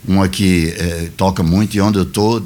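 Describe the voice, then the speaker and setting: A man's voice: sits low, fairly even intonation, normal speed, a little mellow. A man, a guest singer chatting casually and repeating himself as he goes. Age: 60s. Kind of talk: casual chat.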